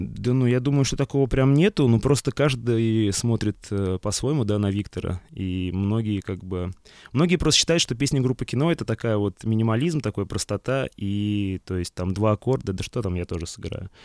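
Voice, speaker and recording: A man with an ordinary speaking voice, fairly low in pitch, lively in intonation and moderate in pace, on a very clean, dry, close recording with no echo and a silent background. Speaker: band archivist and tour guide. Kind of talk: interview.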